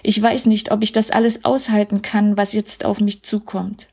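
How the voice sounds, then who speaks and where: A woman voicing Jesus as a gentle, sorrowful grown man in a storybook reading, speaking softly and earnestly. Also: medium pitch, little pitch movement, moderate pace, vocal fry, breathy edge.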